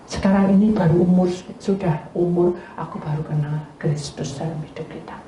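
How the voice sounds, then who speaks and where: A woman's voice: on the low side, normal speed, lo-fi sound. Woman pastor preaching, echoey. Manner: animated storytelling, questions to the congregation. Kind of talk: sermon. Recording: echoey room with faint noise.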